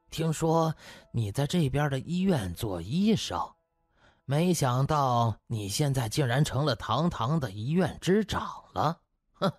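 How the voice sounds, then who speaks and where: A man's voice: medium pitch, no room sound. A man voicing a humble, genial elderly country doctor with courteous, old-fashioned phrasing in an audiobook.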